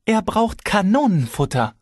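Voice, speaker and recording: Man doing a worried young wife: high, pleading, insistent. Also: big pitch swings, normal speed, husky, no room sound, studio quality, full character voice. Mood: anxious. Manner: anxious, pleading.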